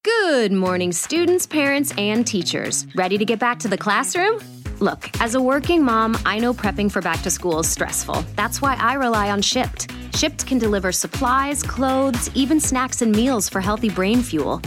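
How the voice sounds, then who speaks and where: A woman's voice: on the high side, lively intonation, moderate pace, over music. A woman doing a scripted advertisement read as a working mom. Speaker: advertisement spokesperson, working mother.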